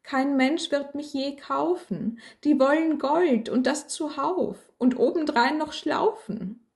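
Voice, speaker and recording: A woman voicing a small, humble candle that is proud and dreamy and speaks in high, plaintive, indignant rhymes. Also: takes it slowly, creaky, darkish tone, full character voice. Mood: sobbing.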